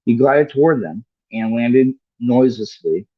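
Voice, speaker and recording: A man's voice: medium pitch, lively intonation, a little slow, slightly rough, no room sound, muffled recording. A man reading a story aloud as a livestream host, now and then stumbling over a word and correcting himself. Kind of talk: read-along audiobook narration.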